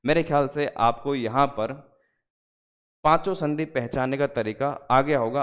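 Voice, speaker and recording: A man's voice: fairly high pitch, long reverb tail. Man teaching grammar step by step. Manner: explains step by step, slows to spell out word parts. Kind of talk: exam-prep lesson.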